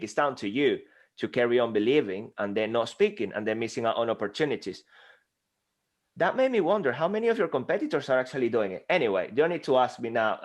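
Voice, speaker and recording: A man from Venezuela with a Venezuelan Spanish accent, a Spanish native speaker talking as a guest speaking coach in an interview, animated and passionate, acting out little dialogues. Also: medium pitch. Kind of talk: energetic interview conversation. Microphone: desk microphone.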